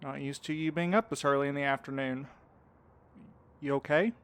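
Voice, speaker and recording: A man's voice: mid-range voice, moderate pace, fairly bright tone, smooth, lightly acted. A man acting in an audio drama as an anxious, devoted partner, earnest, caring and a little hesitant. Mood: caring, flustered. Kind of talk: fiction podcast acting.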